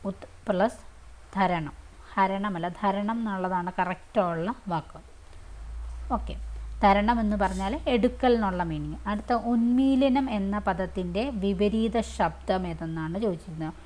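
A woman's voice: mid-range voice, measured pace, a little mellow. A woman teaching, going through exam questions one by one and repeating each question and answer in a conversational way. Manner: fillers and restarts, conversational.

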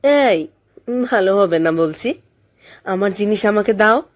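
A woman's voice: medium pitch, expressive, measured pace, natural voice. A woman voicing a playful, mischievous teenage girl in love for an audio story, bantering and mock-scolding.

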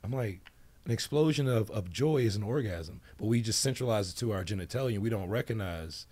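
Guy in his 40s, low husky voice, chatting frankly on a podcast. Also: brisk. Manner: frank, animated storyteller. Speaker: guest. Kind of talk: casual podcast chat.

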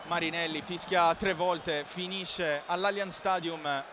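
A man's voice: on the high side, fairly even intonation, slow, sharp tone. A man with an Italian accent giving live football match commentary. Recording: commentary over stadium noise.

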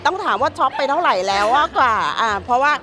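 A middle-aged woman who organizes the event speaks in a high, expressive voice with a sharp tone. Facing several handheld press mics in an indoor hall, she answers interview questions quickly and matter-of-factly, often starting her sentences over.

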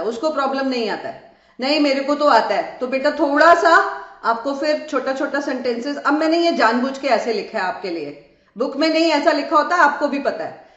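A woman from India teaching law, animated and coaxing as she explains, often mixing English phrases into her talk. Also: high voice. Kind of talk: classroom lecture. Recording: echoey room, muffled sound.

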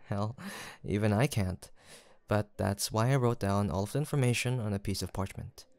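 In a soft roleplay audio drama, this man plays a kind, gentle young apothecary from a village, polite and formal as he attentively reassures. He speaks at a moderate pace in a fairly low pitch, with no echo and a voice close to everyday speech.

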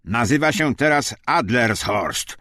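A man's voice: medium pitch, lively intonation, slow pace, bright, forceful tone, dry recording, clean studio sound, voice pushed up. A man voicing a stern, officious German SS officer in an audiobook, speaking emphatically as he questions a detainee. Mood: officious, insistent.

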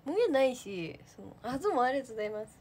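Lively, high-voiced young woman chatting on a livestream. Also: rapid-fire, slight background noise. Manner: chatty and giggly, with lots of fillers. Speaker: idol trainee livestreamer. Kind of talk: casual livestream chat reading viewer comments.

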